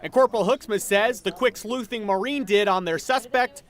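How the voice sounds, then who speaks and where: A man with an American accent and a high-set voice reports the news. He speaks as a television reporter telling a local story. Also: moderate pace, a bit bright. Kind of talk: scripted news narration.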